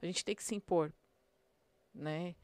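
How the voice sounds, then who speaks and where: A woman's voice: lowish voice, fairly even intonation, a little slow, a little mellow, no echo. A woman police sergeant with a São Paulo accent, talking bluntly and with slang in a casual interview. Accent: São Paulo Portuguese. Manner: blunt, slangy, acts out street commands.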